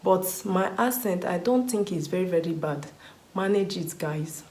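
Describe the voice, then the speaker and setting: A woman's voice: lowish voice, normal speed, a little mellow, roomy sound. A young woman from Nigeria with a Nigerian accent, answering viewer questions in a chatty vlog, often repeating words for stress. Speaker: vlogger. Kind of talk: casual Q&A vlog.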